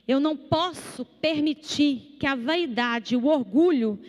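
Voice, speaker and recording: A woman preaching a sermon in a church, animated, acting out the voices of the people she quotes. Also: sits high, measured pace, dull audio. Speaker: psychologist preaching. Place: church hall. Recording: long church reverb.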